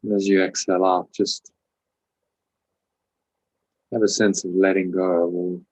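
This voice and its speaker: A man with a low, slightly rough voice leads a guided spiritual meditation. His intonation stays very even as he gives calm, measured instructions, leaving pauses between phrases. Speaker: meditation teacher and host.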